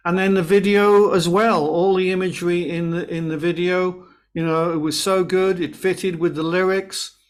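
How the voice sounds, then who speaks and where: A man's voice: high-pitched, steady tone, moderate pace, few pauses, smooth. A man, a guest singer-songwriter chatting and telling a story about his song on a video call, with some restarts. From Wales. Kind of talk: casual interview chat.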